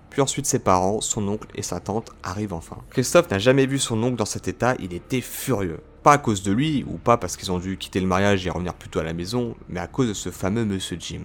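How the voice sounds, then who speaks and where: Over noticeable background noise, a man with a fairly low pitch talks at a fairly quick pace with lively intonation and hardly any pauses. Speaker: horror story narrator. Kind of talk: true-crime horror narration, tense storytelling. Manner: suspenseful, dramatic, building tension; sarcastic, chatty asides to audience.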